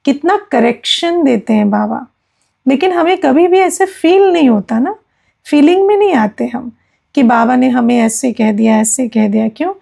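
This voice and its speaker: A woman spiritual teacher giving a gentle explanatory discourse, often checking in with her listeners. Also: high voice, normal speed, creaky.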